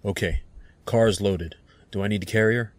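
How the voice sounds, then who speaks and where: A man's voice: on the low side, moderate pace, no echo, natural voice. A man playing a tough, blunt, protective federal agent in an audio drama, with a terse delivery. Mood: urgent. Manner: terse, curt.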